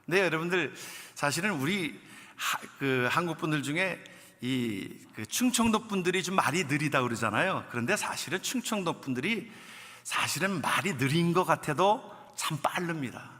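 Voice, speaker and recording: Korean pastor guy preaching in a church, bright voice, long hall echo, goes from loud fervent bits to chatty asides. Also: a little high, lively intonation, moderate pace. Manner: swings between loud preaching and quiet storytelling asides. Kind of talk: sermon. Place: church sanctuary.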